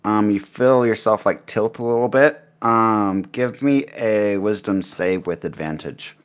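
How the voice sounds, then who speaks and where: Low-voiced rambling game master. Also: male voice, measured pace, smooth. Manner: rambling, full of ums and likes. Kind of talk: improvised tabletop game narration.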